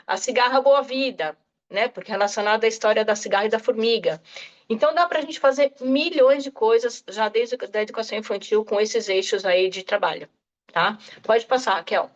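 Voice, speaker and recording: A woman's voice: on the high side, fairly quick, lo-fi sound. Woman lecturing teachers over a call. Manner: talks straight to listeners, frequent "tá?" and "né?". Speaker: literacy specialist presenter. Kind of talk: online lecture to educators.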